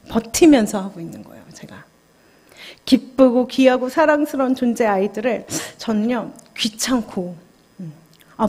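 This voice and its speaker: Woman pastor preaching, talks right to the congregation, kinda high voice, big echoey church hall. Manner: confessional, conversational, questions the congregation. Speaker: junior pastor. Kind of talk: sermon at a Friday prayer service. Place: church sanctuary. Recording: long church hall reverb.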